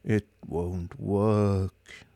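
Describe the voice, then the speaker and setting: A man voicing a gloomy, depressed male robot who drones slowly and hopelessly. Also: fairly low pitch, mellow, no echo. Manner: droning, slow, mournful.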